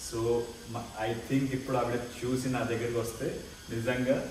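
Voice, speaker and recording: A man hosting a casual prank vlog at home, talking in a hushed, nervous way and then protesting loudly. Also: medium pitch, flat delivery, moderate pace, heavy reverb, far from the mic, a little hiss or hum. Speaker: vlog host. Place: indoors at home.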